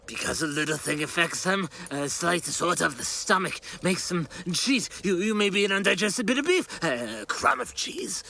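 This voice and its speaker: Jumpy stubborn old miser in a radio play, sharp gravelly voice, swoops around, stammers. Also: male voice, sits high, moderate pace, hardly any pauses, full character voice. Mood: disbelieving. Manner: stammering, querulous, excitable. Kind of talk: theatrical radio drama acting. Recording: reverberant room sound, background noise.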